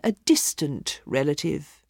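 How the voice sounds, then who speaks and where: A woman voicing a sly, nervous older male palmist who speaks low and evasively. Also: sing-song, slow, gravelly, a little mellow, husky, no room sound, clean studio sound, full character voice.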